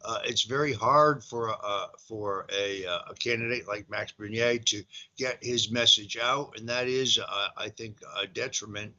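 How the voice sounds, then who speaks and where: An older man hosts a political talk show, his voice very bright and sharp-edged. He speaks in a measured, hesitant way with frequent fillers. The audio is dull and lo-fi. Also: fairly low pitch, steady tone. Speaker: host.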